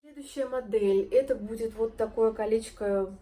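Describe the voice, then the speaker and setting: A woman in her thirties, hoarse from a cold, chattily presenting jewelry to camera in a shop. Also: a little high, moderate pace, loud music behind the voice, low-quality recording. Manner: admiring, chatty, addresses viewers as girls and friends. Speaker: jewelry seller presenting a collection. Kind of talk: casual sales presentation to camera. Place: jewelry shop with display cases, indoors. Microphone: phone or camera close up, front-facing.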